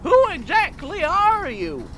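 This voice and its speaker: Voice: very high voice, very animated, slow, a bit bright, full character voice. An actor voicing a sassy female talking chicken in an audio drama, with a blunt, snippy manner. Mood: frank. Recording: faint background noise.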